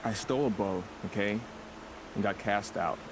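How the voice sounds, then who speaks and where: An actor voicing a self-deprecating young tribal outcast in a video game, speaking hesitantly and haltingly. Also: male voice, lowish voice, natural voice. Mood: dejected. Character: dejected, self-deprecating outcast young tribesman, failed hunter. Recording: clear background ambience noise.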